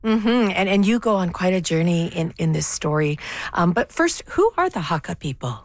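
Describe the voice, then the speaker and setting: Woman host, kinda low voice, bit gravelly, quick curious questions. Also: sing-song, darkish tone, dry recording. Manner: curious, brief prompting questions with small restarts. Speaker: interviewer, host. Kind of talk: interview questions.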